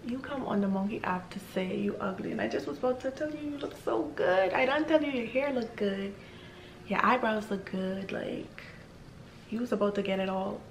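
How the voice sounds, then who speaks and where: A young woman from the Bahamas, chatting with strangers in a casual, bubbly, flattering way. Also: medium pitch, normal speed. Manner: bubbly, flattering, laughs often. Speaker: vlogger. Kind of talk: casual video chat with strangers. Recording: echoey room, faint noise.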